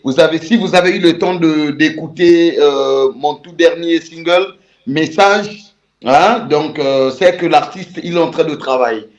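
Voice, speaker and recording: A man's voice: fairly high pitch, measured pace. Congolese man in a roomy, dull recording. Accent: Congolese French. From Republic of the Congo. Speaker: musician guest. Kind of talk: casual interview, mixing French and Lingala.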